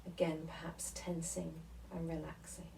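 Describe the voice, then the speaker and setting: A woman leading a guided Christian relaxation meditation in a gentle, soothing, unhurried manner with pauses. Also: sits low, flat delivery, gravelly, distant mic, noisy background. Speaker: guided relaxation and devotional movement leader.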